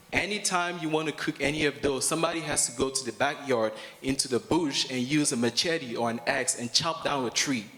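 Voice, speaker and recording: A man with a Cameroonian accent delivering a prepared business pitch to an audience, with emphatic, repeated phrasing. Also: a bit bright. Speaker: student entrepreneur pitching a business.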